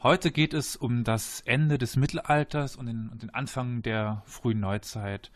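A man hosting a relaxed history podcast. He explains in a mid-range voice, often pausing with "ähm" and restarting sentences, and stops now and then to quiz his two guests. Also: medium pitch. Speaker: podcast host. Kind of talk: casual history podcast talk.

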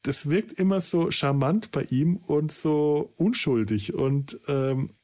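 A man's voice: fairly high pitch, takes it slowly, a little mellow. A man co-hosting a podcast, talking thoughtfully and hesitantly with many fillers and restarts. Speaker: podcast co-host. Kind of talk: casual podcast chat.

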